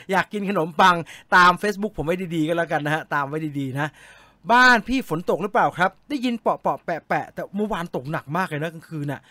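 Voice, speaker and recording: Man, high voice, bright tone, casual stream chat, reads comments aloud, joking, close mic. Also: no room sound. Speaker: live stream host reading viewer comments.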